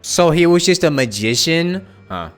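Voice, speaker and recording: A man's voice: a little high, animated, moderate pace. A man giving casual live commentary on a game as a streamer, with blunt, slangy reactions. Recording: faint game music behind. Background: faint game music.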